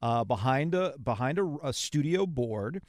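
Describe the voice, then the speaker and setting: A man's voice: mid-range voice, lively intonation, unhurried, darkish tone, no echo, clean studio sound. A man in his forties hosting a podcast, telling stories and putting questions to his guest conversationally. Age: 40s. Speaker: podcast host. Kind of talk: conversational interview, storytelling.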